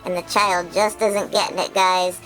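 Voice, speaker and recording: A woman voicing an excitable, childlike male creature who hosts a chatty episode recap, bubbly and full of giggles and squeals. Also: lowish voice, normal speed, soft background music, lightly acted, low-quality recording. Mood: excited recap. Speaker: recap host.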